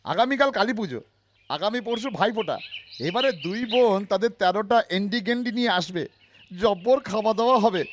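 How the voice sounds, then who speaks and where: A man's voice: high-pitched, expressive, a little fast, noisy background. An actor playing a greedy, scheming village man in a cartoon, with a gloating drawl. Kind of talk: cartoon character acting. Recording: music bed behind the voice.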